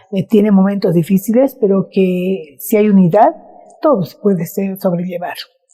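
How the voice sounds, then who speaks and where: Medium-pitched woman's voice with ordinary pitch variation, against noticeable background noise. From Bolivia, Cochabamba. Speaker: retired social worker. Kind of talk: interview. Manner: halting.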